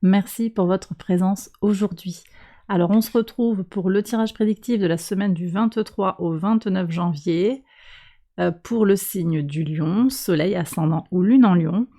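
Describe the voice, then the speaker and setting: Woman, head cold, mellow dark voice, calm unhurried card reading, frequent hesitations. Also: mid-range voice. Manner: calm, slow, hesitant with many fillers. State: has a cold. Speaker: tarot and astrology reader, channel host. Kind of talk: weekly card reading for viewers.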